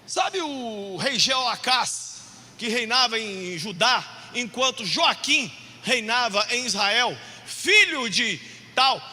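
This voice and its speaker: A man voicing his elderly grandfather, a Bible-learned old man who lectures loudly and scolds, in a reverberant hall. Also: very high voice, expressive, takes it slowly, heavily acted. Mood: exasperated lecturing.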